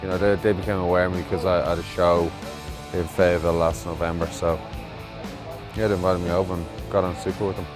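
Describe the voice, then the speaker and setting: A man's voice: low voice, level tone, fast. A man with an Irish accent, a visiting mural artist talking casually and rambling a little in an interview. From Ireland. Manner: easygoing, rambling with fillers. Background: music bed.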